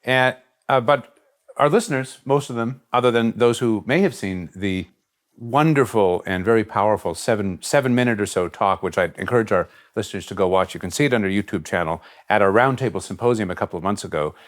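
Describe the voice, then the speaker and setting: Man interviewer, measured and fairly low. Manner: measured, hesitant, winding sentences. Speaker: interview host, head of a college. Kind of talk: reflective long-form interview.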